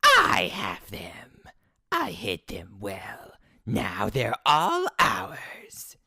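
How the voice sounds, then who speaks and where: Wildly swooping, raspy scavenger. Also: female voice, extremely low pitch, wildly swooping pitch, drawn-out words, bright, forceful tone, dry recording, studio quality, full character voice. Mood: gleeful, scheming. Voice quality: raspy, gravelly. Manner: melodramatic, gossipy, wildly swooping. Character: gleeful, scheming scavenger card duelist. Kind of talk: fan audio drama acting.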